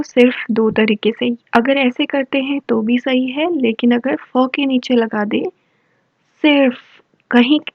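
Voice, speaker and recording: Slow, patient woman teacher, lo-fi. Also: sits high, dry recording. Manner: slow, patient, explains word by word. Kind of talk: worksheet lesson for children. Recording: dull lo-fi voice-over.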